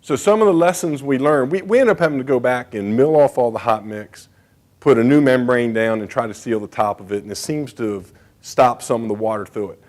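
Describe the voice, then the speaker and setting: Man, conference talk, casual, filler-heavy, mid-pitched voice. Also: brisk, darkish tone. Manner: casual, conversational, many fillers and asides. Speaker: state bridge engineer presenting. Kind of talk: conference presentation.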